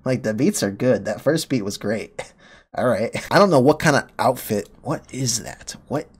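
Speaking into a headset mic indoors in a home room, a young man hosting a gaming video reacts casually with laughter and rambling asides, sniffling from a cold. His mid-range voice is expressive, slightly rough, and moderately paced as he delivers casual game commentary.

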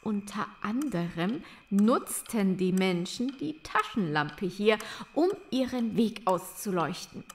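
A woman's voice: mid-range voice, expressive, takes it slowly. A woman playing a proud, brainy creature in a children's audio drama, explaining in a self-satisfied way.

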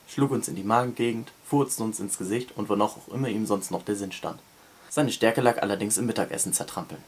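Book reviewer, male, lowish voice, reads a novel excerpt aloud steadily.

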